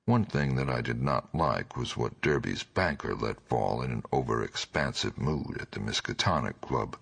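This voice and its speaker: Super deep gravelly guy reading a horror story, raspy and intense sound. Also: a bit bright. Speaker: audiobook narrator. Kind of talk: scripted horror story narration.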